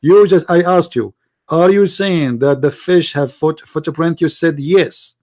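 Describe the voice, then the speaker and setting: A man's voice: fairly high pitch, unhurried, darkish tone. A man with an Arabic accent, a native Arabic speaker, hosting a heated religious debate in a confrontational, insistent way, repeating his phrases and questions. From Middle East. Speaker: host and Christian apologist debater.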